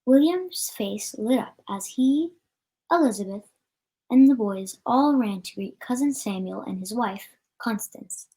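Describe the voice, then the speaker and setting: A woman's voice: on the high side, lively intonation, measured pace, dark tone. A woman reading a children's story aloud as a storyteller, with an occasional stumble over the words.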